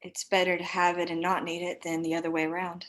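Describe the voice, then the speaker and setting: Woman as tough, deadpan gunwoman, flat delivery. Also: on the low side, fast talker, lightly acted. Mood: cool, defiant. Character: tough, wry armed woman, unafraid. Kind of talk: screenplay table read.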